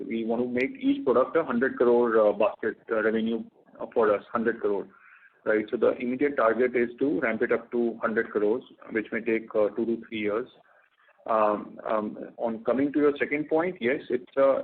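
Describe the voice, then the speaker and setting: Indian male executive, slightly husky, halting and repetitive, on a narrow phone conference line. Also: lowish voice. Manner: halting, repeats words, tags phrases with okay and right. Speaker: company executive. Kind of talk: answering questions on an investor call.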